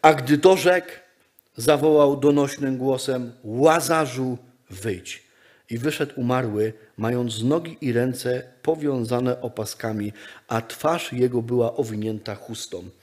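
Male pastor, mid-pitched voice, emphatic repetitive sermon delivery. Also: a little slow. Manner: emphatic repetitive preaching, rising and dropping loudness.

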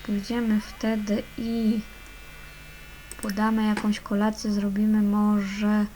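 A woman's voice: medium pitch, monotone, slow, dark tone, slight background noise. A young woman hosting a gaming channel, chatting casually over her play and fondly coaxing the little characters along. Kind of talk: casual let's-play commentary.

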